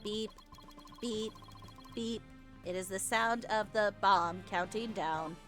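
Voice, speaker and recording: A woman's voice: mid-range voice, takes it slowly, fairly bright tone, faint music behind. A woman playing a proud, defensive male bomb specialist testifying in a courtroom game, in a solemn, self-important way. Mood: matter-of-fact.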